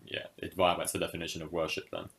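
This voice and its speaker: A man's voice: sits low, completely flat delivery, quick pace, a bit bright. A young man co-hosting a casual podcast discussion, speaking thoughtfully and hesitantly with many fillers and restarts. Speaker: podcast co-host.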